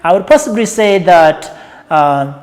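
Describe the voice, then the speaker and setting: A man's voice: high voice, sing-song, measured pace, a little mellow. A man speaking as an interview guest and advocate, explaining methodically, point by point. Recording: echoey hall-like reverb.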